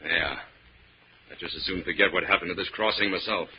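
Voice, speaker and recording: A man as a low-voiced, bossy ex-convict crook. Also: fairly even intonation, fairly quick, lightly acted. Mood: bitter, hard. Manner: gruff, slangy, domineering. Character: hard, cautious ex-convict crook, bossy ringleader. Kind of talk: 1940s radio crime acting. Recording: muffled, hissy old radio recording.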